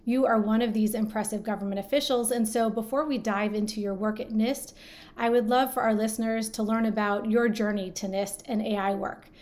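A woman hosting an interview show, reading a guest introduction and asking questions in a measured, scripted way. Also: on the high side, fairly even intonation, a little mellow. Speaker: podcast host.

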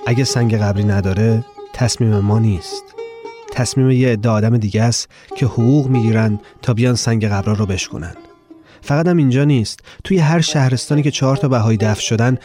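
A man reads a first-person story in an earnest, reflective tone, giving the characters' lines his own plain voice. His pitch sits in an ordinary middle range. Faint music plays underneath. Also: darkish tone, no room sound. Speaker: narrator.

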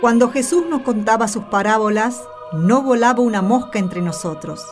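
A woman's voice: fairly high pitch, moderate pace, over music, natural voice. An Argentine woman playing a modest disciple who reminisces about her teacher in an amateur radio play. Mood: modest, reminiscing. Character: modest female disciple fondly recalling her master's teachings.

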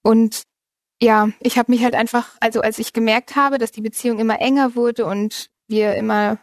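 Higher-voiced woman in her thirties telling a story. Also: steady tone, moderate pace, no echo, clean studio sound. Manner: laughs often while telling her story. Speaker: interview guest. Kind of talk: personal storytelling in conversation.

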